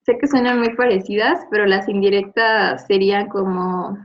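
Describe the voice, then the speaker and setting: A woman's voice: medium pitch, steady tone, normal speed. A woman teacher, patiently going over a lesson with a student, explaining with examples and checking in with short questions. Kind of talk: remote review lesson. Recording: dull lo-fi audio.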